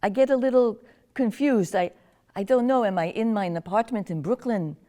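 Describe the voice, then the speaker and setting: A woman's voice: mid-range voice, normal speed, mellow, natural voice. A woman performing an elderly Jewish immigrant grandmother in a nursing home, with a gossipy, teasing way of talking that drifts into confusion. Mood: confused, haunted. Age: older. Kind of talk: one-woman stage monologue.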